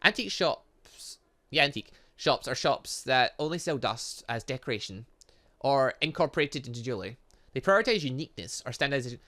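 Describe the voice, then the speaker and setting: A man voicing a refined young heiress in a visual novel, reading her formal lines in a measured, slightly halting way. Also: mid-range voice, animated, fairly bright tone, close to an everyday voice. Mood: earnest, absorbed. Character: refined, prim young heiress, earnest about her passion.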